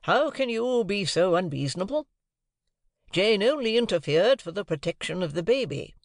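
A man's voice: high-pitched, very animated, normal speed, creaky, dry recording, pitched above the performer's own voice, exaggerated voice. A flustered, helpless father bursting out in desperation, his voice lifted and strained as a male narrator plays him. The sound is dry and close to the mic. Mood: remonstrating. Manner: exclaiming in helpless exasperation.

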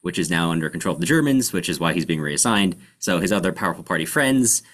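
Male podcast host, deep voice, casual explanatory delivery with halting searches for the right word. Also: expressive, fairly bright tone. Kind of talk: casual book discussion.

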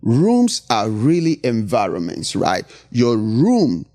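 A man's voice: medium pitch, huge pitch swings, slow, mellow. A middle-aged man from Nigeria with a Nigerian accent, hosting a motivational business podcast and driving his points home with repetition and frequent "right?". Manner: emphatic, repetitive, asks "right?" often. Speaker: podcast host.

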